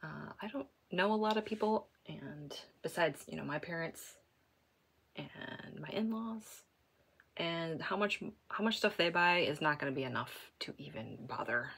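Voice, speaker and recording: A woman with an American accent and vocal fry speaks at a moderate pace and fairly low pitch, with lively intonation, big swings in loudness, and long, frequent pauses. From US Midwest, Michigan. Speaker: knitting YouTuber and podcaster; knitting YouTuber, podcaster. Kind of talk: casual solo vlog-style chat. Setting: home, recording alone. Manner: casual, chatty. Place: home room. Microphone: phone near.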